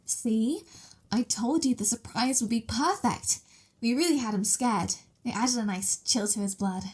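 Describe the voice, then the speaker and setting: A woman playing a childlike, excitable vampire mistress in an ASMR roleplay, with a gleeful, teasing, innocent manner. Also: on the high side, measured pace, husky. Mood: playful.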